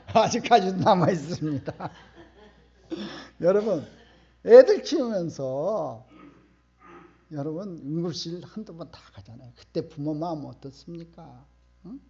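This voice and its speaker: Emphatic Korean pastor preaching, husky voice. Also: male voice, high voice, highs cut off. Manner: emphatic, rising to loud outbursts, asks the congregation questions. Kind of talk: sermon. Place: church sanctuary.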